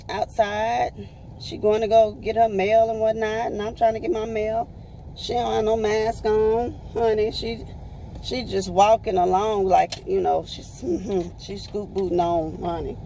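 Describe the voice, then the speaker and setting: A woman with a raspy voice, chatting to viewers from her car in a rambling, chatty way. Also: medium pitch, level tone, a little slow, dark tone, slight background noise. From Texas, US. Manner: rambling, chatty, calls viewers y'all and honey. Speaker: vlogger. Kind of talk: casual chat to viewers while driving. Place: in a parked car.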